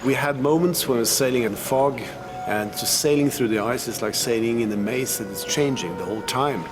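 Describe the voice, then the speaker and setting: A man's voice: mid-range voice, brisk. Reflective Norwegian man in his fifties. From Norway. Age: 50s. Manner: reflective, hesitant with fillers. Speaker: expedition sailor. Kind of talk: documentary interview. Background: music.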